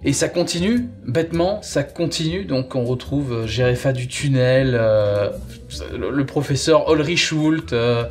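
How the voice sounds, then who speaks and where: A man's voice: mid-range voice, animated, unhurried, faint music behind. A man hosting a review show, chatting casually as he presents and gives his opinion. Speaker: host reviewing audio sagas.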